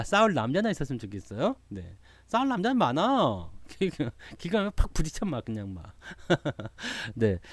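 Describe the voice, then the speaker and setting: A man's voice: mid-range voice, no echo. A man giving casual stock market commentary, answering his live chat, acting out little quoted exchanges and laughing often. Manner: chatty, acts out quoted voices, laughs often.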